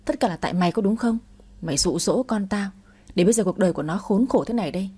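Harsh scolding mother, middle-aged, dark husky voice, put on by a woman narrator. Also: mid-range voice, quick pace, natural voice.

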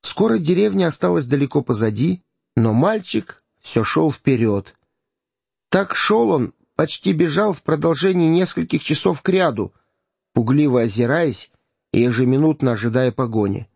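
A man narrating an audiobook in an expressive storytelling manner. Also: a little high, moderate pace, vocal fry, husky, no room sound. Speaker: audiobook reader. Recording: dull, dry lo-fi recording.

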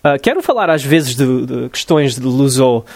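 A man from New Jersey, talking in Portuguese as a podcast host, reflective and full of pauses and restarts. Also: medium pitch, lively intonation, a little mellow, no room sound. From United States (New Jersey). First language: English. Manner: hesitant, many fillers and restarts, reflective. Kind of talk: casual solo podcast monologue.

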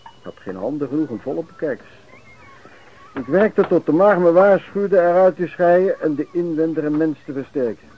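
An actor playing a wary, self-reliant travelling peddler in a radio play, with a Netherlands Dutch accent. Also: male voice, fairly high pitch, lively intonation, moderate pace, natural voice. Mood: reflective. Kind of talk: radio drama, first-person narration and dialogue. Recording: dull lo-fi old radio recording.

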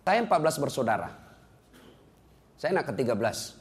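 A man preaching, giving a humorous religious lecture as an animated storyteller who jokes and chuckles often. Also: mid-range voice, fairly quick, in a large hall.

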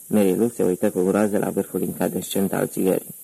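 A man narrating a crime novel audiobook in a measured, even reading. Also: sits low, creaky, husky, no echo, rough recording.

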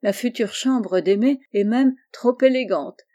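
A woman's voice: fairly high pitch, unhurried, warm tone, lightly acted. A woman reading the part of a talkative, bustling middle-aged mother-in-law. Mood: chatty.

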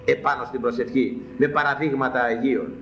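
A man's voice: mid-range voice, steady tone, a little hiss or hum. A man preaching a sermon, emphatic, firing repeated rhetorical questions at his listeners. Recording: echoey muffled room recording with faint ambience.

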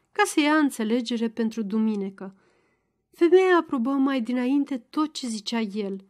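A woman giving a steady, measured reading of a classic novel as an audiobook narrator. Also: on the high side.

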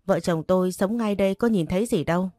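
A man's voice: sits high, fast talker, warm tone, dry recording, clean studio sound, soft background music, close to an everyday voice. A woman reading the part of a teasing, possessive young master of the house, in a storybook. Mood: firm. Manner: teasing and bossy.

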